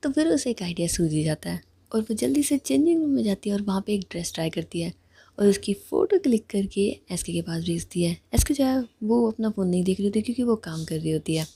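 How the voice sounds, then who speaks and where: A woman tells a love story in a casual, chatty way and tosses in asides. Her voice is husky and mellow. The recording is close and dry. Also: medium pitch, lively intonation, brisk, no echo. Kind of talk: casual spoken story narration.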